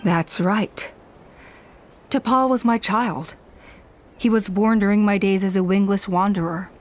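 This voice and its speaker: An actress playing a proud, scheming middle-aged tribal elder and mother who speaks in a calm, commanding, persuasive way in a video game. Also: medium pitch, measured pace, slight background noise, lightly acted. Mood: sorrowful. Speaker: tribe elder.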